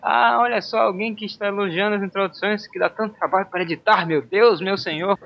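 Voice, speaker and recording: A man's voice: high voice, steady tone, fast talker, creaky. A Brazilian man co-hosting a podcast on a lapel mic, cracking dry, sarcastic jokes while reading listener email. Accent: Brazilian Portuguese. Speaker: podcast co-host. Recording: muffled podcast audio.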